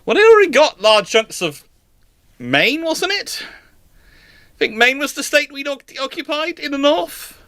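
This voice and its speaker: A man's voice: very high-pitched, sing-song, a little slow, a bit bright, no echo, clean studio sound. A man hosting a live question-and-answer session, speaking unscripted in a rambling, self-correcting way as he thinks aloud.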